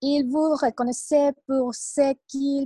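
Dry and close with no echo, a woman's high, dark and mellow voice moves at a very slow pace in a Spanish accent. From Mexico. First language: Spanish (speaking French). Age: 20s. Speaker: law student. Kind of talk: casual chat.

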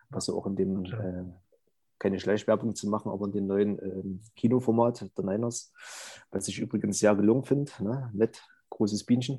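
In a very clean recording with a silent background, a man with a fairly low pitch and a dark, mellow tone speaks at a moderate pace with fairly even intonation. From Saxony, Germany (near Chemnitz). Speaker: basketball club manager. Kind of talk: casual interview.

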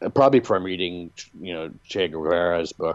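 A man speaks with a Canadian prairie accent and lively intonation. The background is quiet. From rural Manitoba, Canada. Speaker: writer and filmmaker. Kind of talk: casual interview.

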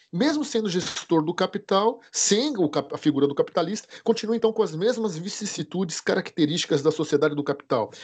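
This man's intonation is lively, and the background stays quiet. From São Caetano, São Paulo region, Brazil. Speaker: historian, academic researcher. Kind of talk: interview, academic discussion.

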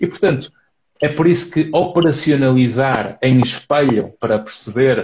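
The speech comes at a fairly slow pace, somewhat breathy, with ordinary pitch variation. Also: man. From Portugal. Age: 40s. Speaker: psychologist, live show host. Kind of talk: live stream conversation.

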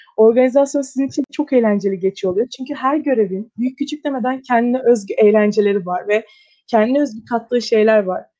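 With hardly any pauses, a woman in a normal speaking voice talks at a fairly quick pace, her pitch fairly high with ordinary variation. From Istanbul, Zeytinburnu. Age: 20s. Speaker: university student and youth volunteer. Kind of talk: interview. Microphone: echo.

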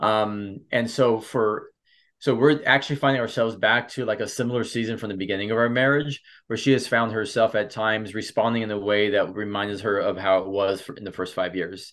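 Against a quiet background, a man with an ordinary speaking voice talks at a fairly quick pace, his fairly low pitch carrying fairly even intonation. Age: 50s. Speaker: pastor and marriage coach. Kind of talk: interview.

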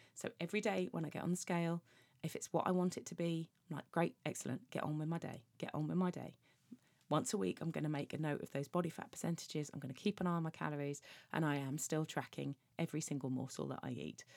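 A woman with a British accent, very deep and low in pitch, with ordinary pitch variation. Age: 40s. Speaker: life coach podcast host. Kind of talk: casual solo monologue. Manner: chatty, warm.

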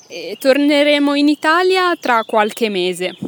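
The very slow speech has a dry, close sound with no echo. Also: woman. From Italy, Milan. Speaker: Italian teacher podcaster. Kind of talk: language lesson in simple Italian. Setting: walking while recording. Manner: slow, clear.

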